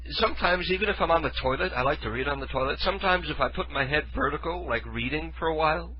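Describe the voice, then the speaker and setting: A man's voice: on the high side, quick pace, breathy edge, highs cut off. A man hosting his own internet radio show from his living room, talking loosely and self-deprecatingly while stuffed up from a head cold. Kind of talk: casual rambling monologue. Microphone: studio mic with headphones.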